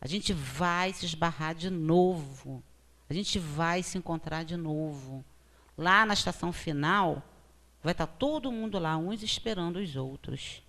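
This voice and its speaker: A woman's voice: fairly low pitch, unhurried, fairly bright tone. A woman with a Brazilian accent giving a conversational spiritual talk as a lecturer at a spiritist center, earnest and often checking in with her listeners. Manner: earnest, often tags 'né?' to engage listeners.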